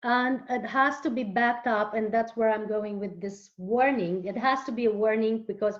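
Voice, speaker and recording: A woman whose first language is Romanian, a guest author speaking earnestly in an interview, often pausing and repeating words. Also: a little high, lo-fi sound. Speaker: guest author and holistic therapist. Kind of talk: casual interview talk.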